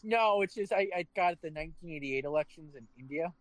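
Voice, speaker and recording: A man's voice: a little high, lively intonation, a little fast, rough recording. A man co-hosting a casual chat show, rambling and swearing, often restarting his sentences. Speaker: podcast co-host.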